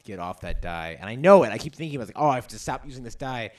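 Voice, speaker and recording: A man's voice: mid-range voice, big pitch swings, very fast, darkish tone. Rambling man chatting over gameplay. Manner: rambling, stop-start, lots of fillers. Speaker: co-host of a gaming let's play. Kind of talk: casual chat while playing a video game.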